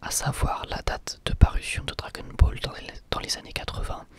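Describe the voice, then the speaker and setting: A man hosting a whispered ASMR video, calmly answering viewer questions in a thoughtful, explanatory way. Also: normal speed. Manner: soft-spoken, thoughtful and explanatory. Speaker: ASMR channel host.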